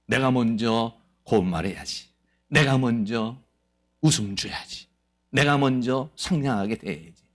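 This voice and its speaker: A man preaching a sermon as pastor of a church, lively and playful, acting out quoted voices. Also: medium pitch, measured pace. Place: church sanctuary.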